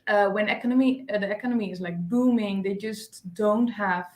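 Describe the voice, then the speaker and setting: A woman recruiter talks quickly as a guest in a casual interview, dropping frequent likes. Her mid-pitched voice carries a roomy echo. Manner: quick, uses like as a filler.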